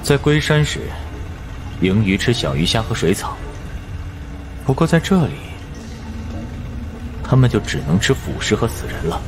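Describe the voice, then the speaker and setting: A man's voice: medium pitch, big pitch swings, moderate pace, pauses often, music in the background, voice pushed up, lightly acted. A man voicing a mysterious, aloof white-haired man, cool and matter-of-fact, in an audiobook. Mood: cool, ominous. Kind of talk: audiobook character dialogue.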